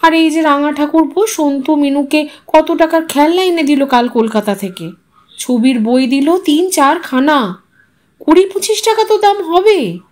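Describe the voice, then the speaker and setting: A woman's voice: sits high, unhurried. A woman voicing an anxious, proud, tearful housewife with a pleading, protesting manner in a dramatised audio story.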